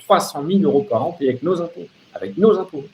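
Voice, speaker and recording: A man's voice: on the high side, animated, fast talker, a little mellow, a little hiss or hum, low-quality recording. A man delivering an off-the-cuff political rant as a live open-line host, sardonic and emphatic, repeating phrases and throwing out rhetorical questions.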